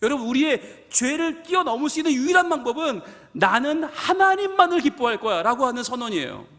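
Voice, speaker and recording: Fervent high-voiced male pastor preaching. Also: big pitch swings, fairly quick. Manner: fervent, emphatic preaching with repeated phrases. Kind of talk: sermon. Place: church sanctuary at a live midweek prayer service. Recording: live church hall reverb with soft music.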